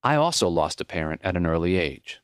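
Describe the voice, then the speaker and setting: A man voicing a gentle, reflective, dying elderly teacher in an audiobook, speaking earnestly and plainly in measured phrases. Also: low voice, big pitch swings, clean tone, no room sound, studio quality, pitched below the performer's own voice. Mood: sorrowful. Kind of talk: audiobook character voice.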